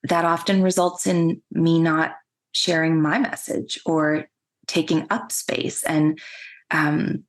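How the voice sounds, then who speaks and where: A woman podcast host with a very soft voice, speaking slowly and pausing between thoughts in a casual interview. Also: low-pitched, fairly even intonation.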